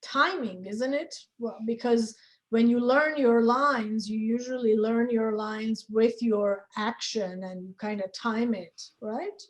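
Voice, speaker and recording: A woman's voice: fairly high pitch, fairly even intonation, takes it slowly. A woman hosting a casual conversation, asking questions in an informal interview style. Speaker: host of a discussion with theater performers.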